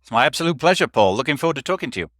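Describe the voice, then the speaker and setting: A middle-aged man from South Wales with a Welsh accent, telling his career story as an interview guest in halting, conversational phrases. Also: mid-range voice, big pitch swings, fairly bright tone, no room sound, studio quality. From Newport, South Wales. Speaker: podcast guest, marketing and sales executive.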